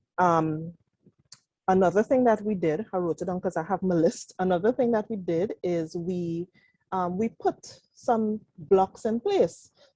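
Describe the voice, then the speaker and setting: Speaking with a Trinidadian accent, a woman has a dark, mellow tone at a medium pitch, a fairly slow pace and ordinary pitch variation, in a dry, close sound with no echo. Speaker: parent. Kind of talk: testimony.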